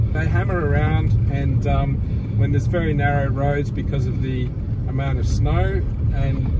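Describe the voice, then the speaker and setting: Loud background noise behind a man's dry voice with no echo. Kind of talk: casual vlog chat. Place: car. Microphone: phone near.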